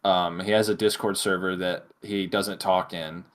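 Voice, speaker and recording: A man's voice: sits low, flat delivery, normal speed. A man co-hosting a podcast, giving his opinions in casual conversation. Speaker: podcast co-host.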